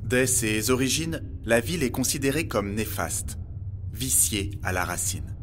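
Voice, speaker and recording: An actor playing a learned, grave guide to Earth's past in an audio drama, speaking formally in a solemn, measured, probing way. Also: male voice, mid-range voice, fairly bright tone, a little hiss or hum, lightly acted. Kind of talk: audio fiction dialogue.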